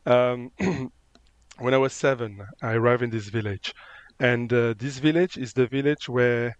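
A man from France with a French accent, answering interview questions in halting English and searching for words. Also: mid-range voice, fairly even intonation, no echo. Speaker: photographer, guest.

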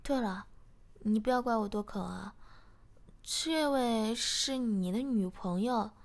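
A woman voicing a shy, curious young woman who speaks softly and hesitantly. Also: on the high side, slow pace.

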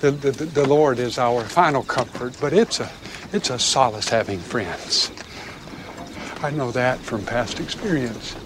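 An actor playing an earnest, awkward frontier preacher, halting and stammering as he speaks. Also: medium pitch, background noise, natural voice. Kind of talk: TV drama acting.

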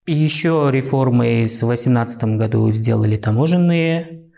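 A man from Uzbekistan with a Central Asian Russian accent, explaining things conversationally as an interview guest in a halting, thoughtful way. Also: mid-range voice, vocal fry, mellow, soft background music.

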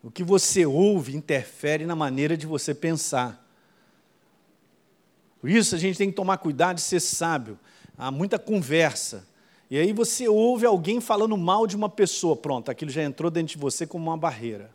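A male pastor, preaching a sermon in a lively, conversational way full of quick asides. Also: on the high side.

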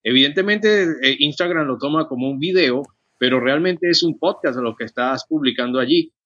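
Bright-voiced man, dry sound. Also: fairly high pitch, moderate pace, no echo. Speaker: podcaster, panel guest. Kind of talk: online panel discussion. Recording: dry lo-fi audio.

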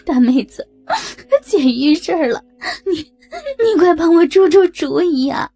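A frightened woman in tears, stammering and pleading in a shrill, high voice that leaps up and down, as a woman reader puts her on. She sobs her words out in a storybook telling, over faint music. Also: expressive, measured pace, dark tone, heavily acted. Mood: panicked crying. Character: panicked tearful middle-aged woman caught out.

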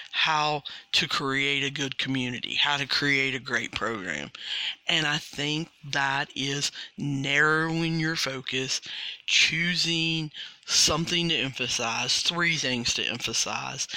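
A man's voice: a little high, bright, forceful tone, no room sound. A man hosting a coaching podcast, speaking in an earnest casual monologue, asking his listeners rhetorical questions and often repeating words as he restarts his sentences.

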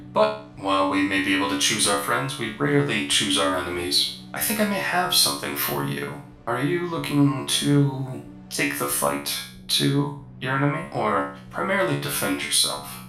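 A man's voice: on the low side, big pitch swings, unhurried, reverberant, over loud music, low-quality recording. A man doing an ethereal metallic droid. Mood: cryptic. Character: ethereal metallic protocol droid, courteous and cryptic. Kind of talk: game master voicing a character.

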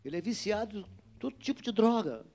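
An urgent woman pleads for help in a raised, pitched-up voice, as a Brazilian preacher puts her on in his sermon. Faint guitar music plays behind. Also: animated, fairly quick, darkish tone. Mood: pleading.

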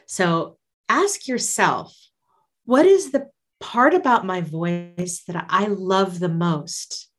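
A woman's voice: on the low side, animated, slow pace. A woman guest on a podcast, a singer and life coach, talking in a casual, enthusiastic and encouraging way and laughing often.

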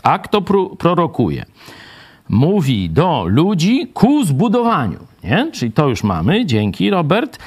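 A man leading a lively Bible study lecture, ironic and animated, asking the group questions and tagging his points with a quick "right?". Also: mid-range voice. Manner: many fillers and "nie?" tags.

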